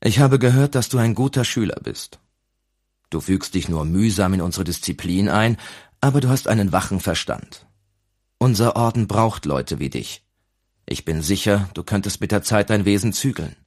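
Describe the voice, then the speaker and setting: A grave, kindly old abbot, as a male narrator voices him, speaking gently and solemnly. The voice sits very low, with a husky grain. It carries audiobook calm and quiet authority. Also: normal speed. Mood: encouraging. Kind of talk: audiobook character reading.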